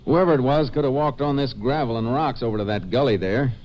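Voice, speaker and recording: A man's voice: mid-range voice, brisk, highs cut off, soft background music, lightly acted. An American man playing a terse, matter-of-fact Texas Ranger investigator in a 1950s radio western. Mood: analytical. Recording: old 1950s radio recording.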